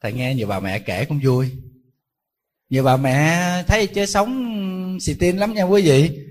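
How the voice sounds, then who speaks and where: A man, a Buddhist monk giving a sermon, telling stories in a conversational way and throwing rhetorical questions at his listeners. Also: a little high.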